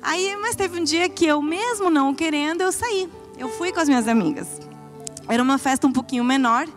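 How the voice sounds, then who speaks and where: A woman's voice: high-pitched, a little fast, faint music behind. A young woman giving a church testimony, telling her story earnestly and acting out her own past words. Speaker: pastor's wife giving testimony.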